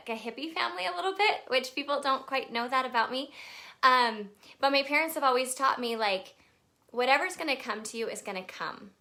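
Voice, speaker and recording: A woman in her late thirties talks on a casual livestream, her voice bright and forward and a touch higher than most. She chats along with fillers and greets viewers by name as they join. She sounds a little nervous but keeps going. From Texas. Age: 30s. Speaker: livestream presenter. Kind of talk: casual live video chat.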